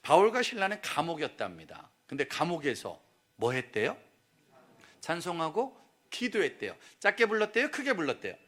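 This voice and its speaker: A middle-aged male pastor preaching a lively, humorous sermon in a church, teasing and questioning the crowd. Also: a little high, normal speed. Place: church sanctuary.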